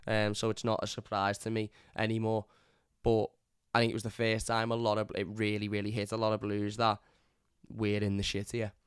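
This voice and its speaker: A hoarse man, hosting a live fan review and ranting bluntly. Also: fairly low pitch, monotone, fairly quick, no echo, clean studio sound. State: hoarse from lost voice. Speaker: fan channel host. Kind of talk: live stream match review.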